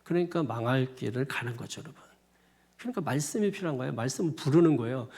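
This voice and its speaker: A man's voice: mid-range voice, animated, fast, darkish tone, breathy edge. A male pastor giving a sermon in a loose, conversational manner, often repeating himself and laughing at his own asides. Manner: colloquial, repetitive, chuckling asides.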